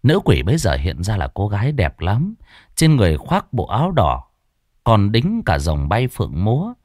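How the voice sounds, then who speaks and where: A man narrating a ghost story in a dramatic, expressive way. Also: on the low side, moderate pace, no room sound, studio quality.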